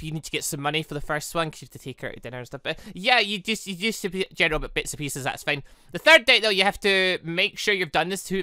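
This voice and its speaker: A gaming host giving casual, rambling, excitable commentary over a playthrough, chatting informally. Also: medium pitch, no echo, studio quality. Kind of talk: casual playthrough commentary, reading dialogue aloud.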